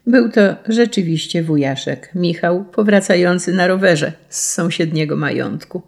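Gravelly, husky woman narrating a story. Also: fairly low pitch. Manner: measured, expressive reading. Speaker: audiobook narrator. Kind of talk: scripted narration of a children's story.

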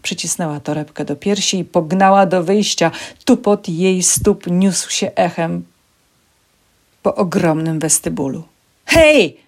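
A woman reading a passage of a novel aloud in measured, steady narration for a library program. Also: on the low side. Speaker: audiobook reader for a library program.

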